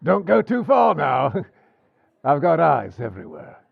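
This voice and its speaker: Gravelly, theatrical pirate overlord. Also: male voice, a little high, huge pitch swings, no echo, narrow, tinny audio, full character voice. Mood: amused, sly. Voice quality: gravelly, husky. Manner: deliberate, insinuating, theatrical, formal phrasing. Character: shrewd, genial male pirate overlord, theatrical and probing. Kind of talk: swashbuckling audio roleplay acting.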